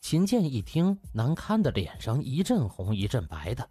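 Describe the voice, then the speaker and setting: A man's voice: medium pitch, very animated, normal speed, mellow, slightly rough, no echo. A man narrating an audiobook in a dramatic, scripted storytelling style. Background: faint music.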